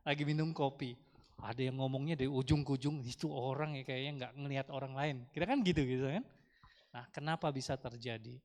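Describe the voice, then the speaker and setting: A man's voice: medium pitch, brisk, a little mellow. A man with an Indonesian accent giving a chatty Dharma talk to a congregation, often asking the audience questions. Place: large temple hall. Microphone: handheld microphone through speakers. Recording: long hall reverb from speakers.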